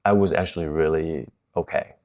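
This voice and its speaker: A man's voice: extremely low pitch, fairly even intonation, a little fast, darkish tone. A man from Taiwan who moved to Chicago, talking candidly and conversationally as an interview guest.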